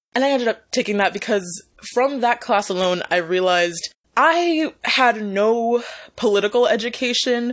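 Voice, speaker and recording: The speaker has an unremarkable speaking voice with lively intonation. The pace is moderate and the loudness very even. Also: woman, fairly high pitch for a woman. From US, child of Jamaican immigrants. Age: 20s. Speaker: online content creator. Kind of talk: interview.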